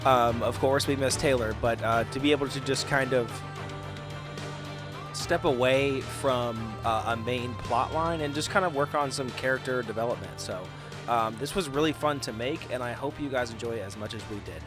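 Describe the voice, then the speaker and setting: Upbeat friendly guy doing casual podcast talk, mid pitch, music clearly behind him. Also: moderate pace. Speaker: podcast host and tabletop player.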